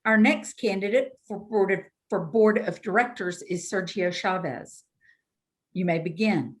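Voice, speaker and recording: A woman's voice: mid-range voice, measured pace. A woman moderating candidate speeches, asking brief, formal questions.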